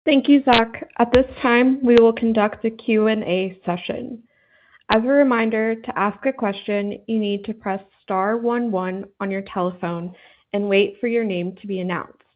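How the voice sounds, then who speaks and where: A woman's voice: mid-range voice, moderate pace. A woman working as a conference call operator, giving scripted procedural instructions in a polite, formal way. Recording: narrow tinny phone line.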